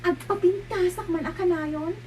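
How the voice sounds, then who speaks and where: A woman performing lively, emotional dialogue in an Ilocano audio drama. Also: very high-pitched, moderate pace, a little hiss or hum.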